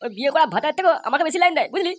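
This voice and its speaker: A woman's voice: high voice, animated, very fast. A woman voicing a cocky, crude, cheeky young male hustler in a comic cartoon dub. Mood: defiant. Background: music.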